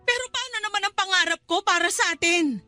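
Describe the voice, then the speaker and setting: A woman's voice: very high voice, fast talker, pushed and bright, exaggerated voice. An actress playing a weary, manipulative middle-aged mother in a Tagalog radio drama, pleading and laying on guilt. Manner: guilt-tripping, emotional. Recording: background music under dialogue.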